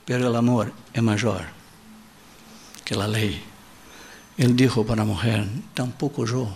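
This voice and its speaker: A male preacher, a native Portuguese speaker, delivering a sermon in halting Spanish with Portuguese words mixed in, repeating his key line with emphasis and acting out the quoted voices. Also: mid-range voice, fairly even intonation, creaky, a little mellow, breathy edge.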